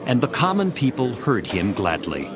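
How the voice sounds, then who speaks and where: A man's voice: medium pitch, wildly swooping pitch, moderate pace, crowd noise. A man narrating scripture from a script in a dramatized audio reading. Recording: voice over prominent background music.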